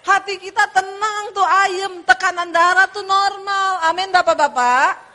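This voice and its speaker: A woman pastor preaching a sermon in a lively, humorous storytelling manner, calling the congregation to say amen. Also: very high-pitched, a little slow.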